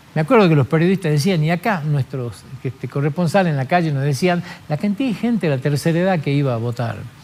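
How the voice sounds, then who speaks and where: Speaking at a very fast pace with hardly any pauses, a man with a fairly high pitch uses lively intonation. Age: 60s. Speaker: radio/TV political commentator. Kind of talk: political commentary monologue.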